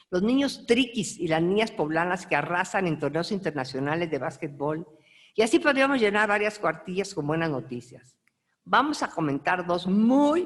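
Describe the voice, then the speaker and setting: A Mexican woman, the author, giving conversational remarks at a book presentation and checking in with the audience. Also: lowish voice. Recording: long hall reverb.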